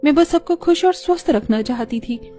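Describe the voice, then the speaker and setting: A woman doing a gentle, dutiful young bride. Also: high voice, lively intonation, moderate pace, soft background music. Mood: gentle earnest. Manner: soft, earnest. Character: gentle dutiful young daughter-in-law, soft-spoken.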